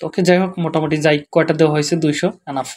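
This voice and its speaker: A tired man with a Bangladeshi accent, speaking quietly and slowly as he walks through a screen-share tutorial. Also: fairly high pitch, flat delivery. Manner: quiet, slow, tired-sounding talk. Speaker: web developer teaching SEO.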